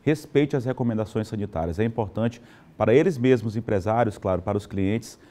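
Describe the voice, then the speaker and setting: A man's voice: on the low side, brisk, dark tone. A man, presenting live morning news in a conversational, loosely ad-libbed way from a TV studio. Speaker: news anchor.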